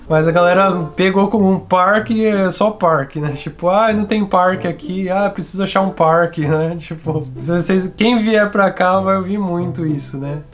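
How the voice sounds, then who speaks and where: A Brazilian vlogger chatting casually to the camera in a relaxed, slangy way, with a Brazilian Portuguese accent, often ending lines with tag questions and small chuckles. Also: medium pitch. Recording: voice over steady background music. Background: background music.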